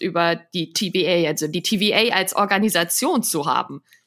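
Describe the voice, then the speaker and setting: A woman's unremarkable speaking voice at medium pitch, fairly slow in pace, with ordinary pitch variation. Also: very clean recording, silent background. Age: 20s. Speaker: podcast guest. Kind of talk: casual chat.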